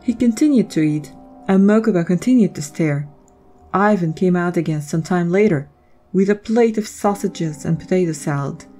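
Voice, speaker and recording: Mellow, lowish woman narrator. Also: moderate pace, soft background music. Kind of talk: scripted story narration.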